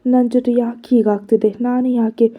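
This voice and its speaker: A frightened young woman in an audio story, tearful and begging in a husky voice, as a woman narrator puts her on. The recording sounds a little dull and lo-fi. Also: fairly high pitch, flat delivery, normal speed, lightly acted. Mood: pleading. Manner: pleading, begging.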